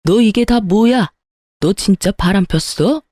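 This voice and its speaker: A woman's voice: medium pitch, unhurried, mellow, dry recording, lightly acted. A woman voicing an angry older father-in-law who scolds his son bluntly, in a dramatized story. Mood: furious.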